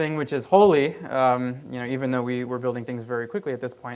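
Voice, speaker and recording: A man's voice at a medium pitch, delivered at a very fast pace. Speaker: software developer and startup co-founder. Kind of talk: conference talk. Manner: many fillers like um and uh.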